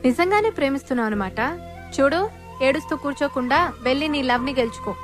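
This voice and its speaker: A woman's voice: high-pitched, animated, brisk. A coaxing, scheming mother. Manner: coaxing, conspiratorial. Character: scheming encouraging mother, middle-aged. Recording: film soundtrack with loud background music.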